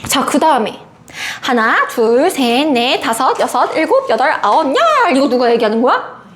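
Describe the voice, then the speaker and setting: A young woman teaching a class, explaining a text in a lively way and acting out the lines it quotes. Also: sits high, normal speed. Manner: animated, acts out quoted lines. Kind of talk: classroom lecture.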